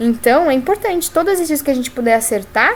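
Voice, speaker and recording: A woman's fairly quick speech comes over noticeable background noise. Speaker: physics teacher. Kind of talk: online lesson. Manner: animated.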